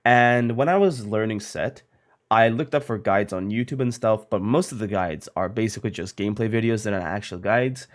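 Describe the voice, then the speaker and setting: A man's voice: fairly low pitch, normal speed. A young man, a little sick, casually explaining a video game strategy in a guide, tossing in lots of fillers and "right?". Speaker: gaming content creator.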